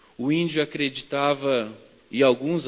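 A man talks with fairly even intonation. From Brazil. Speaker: Lutheran pastor. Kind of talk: sermon delivered to a congregation. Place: church.

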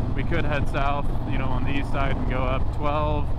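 Against loud background noise, a man speaks at a moderate pace in a dry sound with no echo. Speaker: motorcycle rider vlogger. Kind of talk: casual vlog chat. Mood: relaxed, slightly disappointed. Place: motorbike. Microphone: helmet.

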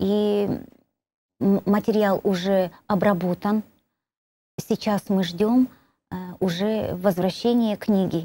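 A woman speaks at medium pitch with a dark, mellow tone and fairly even intonation. Her pace is very slow, her loudness very even, with long, frequent pauses. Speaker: ethnocultural center deputy director. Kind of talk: studio interview. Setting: studio. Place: studio. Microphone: lapel.

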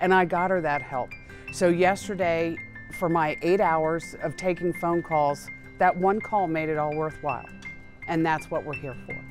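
Clear music plays behind a woman talking at a moderate pace with a fairly low pitch and ordinary pitch variation. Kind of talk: interview answer. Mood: earnest, heartfelt story. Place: office. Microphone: lapel.

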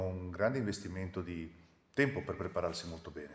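The speech moves at a fairly quick pace with ordinary pitch variation. Audible room echo is present. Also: man. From Italy. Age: 50s. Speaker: martial arts instructor. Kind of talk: opinion monologue. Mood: calm, reflective, slightly wry. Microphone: phone near.

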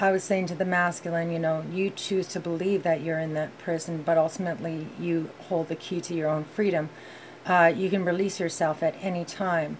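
Over light background noise, a woman speaks at a fairly low pitch in a monotone, flat delivery. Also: moderate pace. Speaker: tarot reader. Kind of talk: tarot reading commentary. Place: home room. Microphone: phone near.

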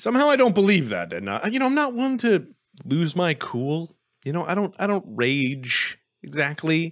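A man's high voice with very wide pitch swings, dry with no echo. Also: moderate pace, quiet background. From Boston, Massachusetts, USA. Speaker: gamer and YouTuber, musician, actor. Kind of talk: casual gameplay commentary to camera.

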